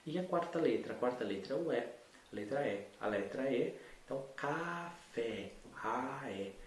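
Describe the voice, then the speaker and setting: A man's voice: mid-range voice, animated, normal speed, a little mellow. A man teaching an adult literacy lesson, patient and encouraging, talking straight to the learner. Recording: echoey room, distant mic, faint hiss.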